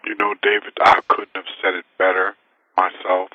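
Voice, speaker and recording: A man's voice: deep voice, completely flat delivery, moderate pace, no echo, muffled recording. A man appearing as a financial advisor guest, speaking emphatically and with assurance, sometimes asking rhetorical questions. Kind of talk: interview answers.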